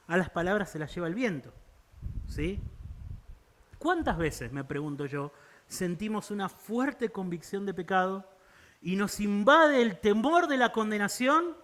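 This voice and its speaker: A man's voice: high-pitched, a bit bright. A man preaching a sermon in Argentine Spanish, earnest and pleading, often checking in with his listeners. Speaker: pastor.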